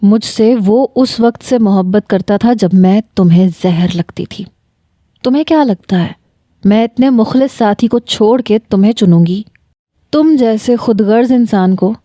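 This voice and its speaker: A woman's voice: medium pitch, mellow, no room sound, clean studio sound. A woman narrating a first-person romantic story with dramatic, emotional delivery.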